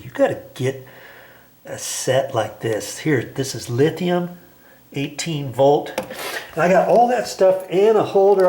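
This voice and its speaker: A man's voice: mid-range voice, a little mellow, roomy sound. A man hosting a casual do-it-yourself vlog, chatting in a rambling way as he shows his tools. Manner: chatty, rambling, talks while handling tools. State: out of breath while climbing. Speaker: DIY video host.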